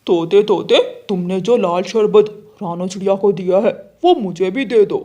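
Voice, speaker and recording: A man's voice: high voice, normal speed, mellow, lightly acted. A man voicing Kalu, a boastful crow. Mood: eager. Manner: boastful, then wailing in panic.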